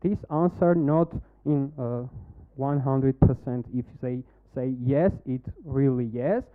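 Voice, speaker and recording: A man with an Armenian accent pitching a startup, then answering questions in halting English while searching for words. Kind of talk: demo day pitch and Q&A. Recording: phone-like narrow band.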